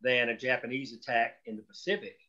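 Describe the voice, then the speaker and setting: A man chatting casually and informally in an animated way, on slightly lo-fi audio. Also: mid-range voice, brisk. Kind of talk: casual chat.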